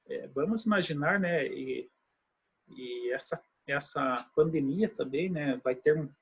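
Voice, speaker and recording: A man's voice: fairly high pitch, breathy edge, low-quality recording. A man teaching a law lesson online, explaining step by step and often checking in with his students. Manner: explanatory, with many tag questions to students. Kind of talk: online video lecture.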